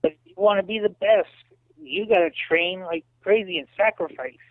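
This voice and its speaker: A man in his late fifties tells lively anecdotes as an interview guest, sprinkling in "you know" as he goes. His voice sits a little high for a man and comes through a thin, phone-like line with a completely dry sound. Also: moderate pace, no echo. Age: 50s. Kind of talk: casual storytelling interview.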